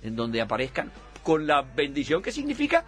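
A man's voice: a little high, wildly swooping pitch, moderate pace, faint music behind. A man in his sixties, a guest in a political radio debate, making pointed, ironic remarks. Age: 60s.

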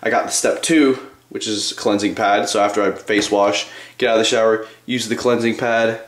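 Male vlogger, twenties, lowish voice, offhand and informal, casual rambling delivery, echoey small bathroom sound. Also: fairly even intonation, moderate pace. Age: 20s. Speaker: bodybuilding vlogger. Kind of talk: casual rambling vlog to viewers. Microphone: handheld camcorder at arm's length.

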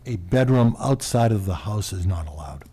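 Low, very mellow male board member. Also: lively intonation, normal speed, slightly rough. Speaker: zoning board member reporting findings. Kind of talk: formal explanation at a public meeting. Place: small public meeting room.

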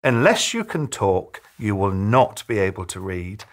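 A man in his fifties giving advice to camera as a children's author, speaking emphatically like a storyteller, with deliberate pauses. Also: on the low side, sing-song. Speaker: children's author giving reading tips to parents. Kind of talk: direct-to-camera advice talk, presentational. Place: small furnished room, indoors.

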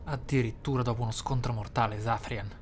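A man's voice: medium pitch, steady tone, fairly quick, slight background noise. A man with an Italian accent hosting a casual gaming let's play. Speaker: gaming channel host.

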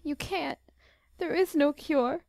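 A woman reading a storybook, voicing a gentle, fragile teenage girl, tearful and sobbing. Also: high-pitched, takes it slowly, dry recording, pitched above the performer's own voice.

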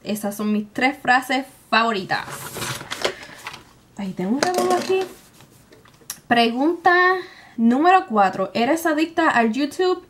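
A young woman with a Puerto Rican Spanish accent chats casually to camera, informal and colloquial, dropping in English words. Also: a little high. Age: young adult. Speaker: beauty vlogger. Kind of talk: casual chat to camera, answering tag questions. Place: small room at home, indoors.

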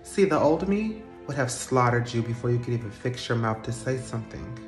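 A smug store manager, as a comedian puts her on, speaking low and unhurried with cutting sarcasm. The voice sits in a roomy space with a thin bed of music behind it. She sounds completely unbothered. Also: expressive, close to an everyday voice.

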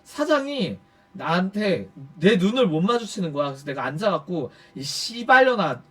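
A man telling a personal story on his stream in a casual, animated way, swearing freely and acting out what others said. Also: high voice, normal speed, breathy edge. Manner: animated, swears freely, acts out quoted speech. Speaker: YouTuber storyteller.

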